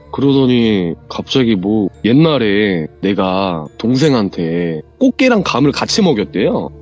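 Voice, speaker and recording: A man with a lowish voice tells a true ghost story as a radio show guest, his pitch rising and falling freely as he acts out what was said. The audio is a little dull, with faint music playing underneath. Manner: animated, acts out quoted lines from the story. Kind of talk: casual spoken storytelling on a horror radio show.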